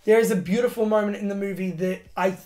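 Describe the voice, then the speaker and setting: A woman's voice: mid-range voice, fairly even intonation, quick pace, mellow. A woman giving a casual, emotional film review, swearing often and filling her talk with "like" and "you know".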